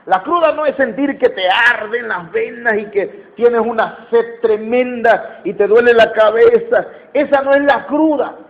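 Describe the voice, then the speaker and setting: A man's voice: very high-pitched, unhurried, few pauses. A Mexican man preaching a sermon, emphatic, repeating key phrases and questioning his listeners. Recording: tinny phone-like sound.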